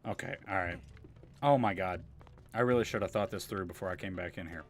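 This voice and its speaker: A man's voice: low voice, fairly quick. A man live streaming a video game, giving casual, slangy commentary and chatting with viewers, with some swearing. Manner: slangy, profane, informal.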